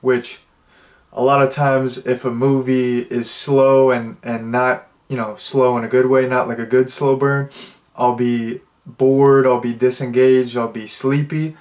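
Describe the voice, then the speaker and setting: A man's voice: medium pitch, level tone, unhurried, darkish tone. A young man with a stuffed-up nose casually reviewing a movie, rambling with many restarts and fillers. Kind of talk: casual spoken review, thinking out loud.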